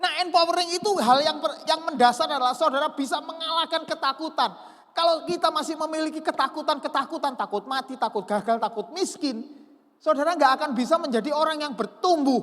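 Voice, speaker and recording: A man speaks loudly at a fairly quick pace. His pitch is extremely high, with ordinary pitch variation. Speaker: preacher. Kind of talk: sermon.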